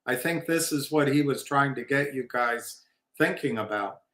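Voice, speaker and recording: A man's voice: mid-range voice, normal speed, fairly bright tone. A man hosting a casual livestream about markets, rambling and opinionated with wry asides. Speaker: livestream host. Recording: roomy echo.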